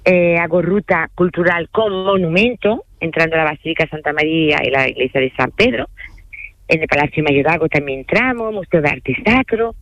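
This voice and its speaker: A woman's voice: deep voice, animated, brisk, no room sound, highs cut off. A woman from France, a tour guide, talking casually in a radio interview and often checking in with her listener mid-sentence. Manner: chatty, keeps adding "okay?" and filler hesitations.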